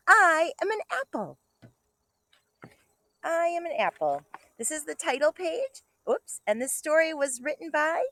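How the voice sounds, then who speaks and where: A woman kindergarten teacher reading to young children, enthusiastic and expressive, breaking off for chatty asides and questions to her listeners. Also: very high-pitched, dry recording. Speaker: kindergarten teacher reading a picture book to pupils.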